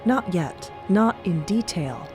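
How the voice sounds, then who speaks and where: A man's voice: high voice, expressive, takes it slowly, music in the background. A man delivering scripted audio drama narration as one of the storytellers.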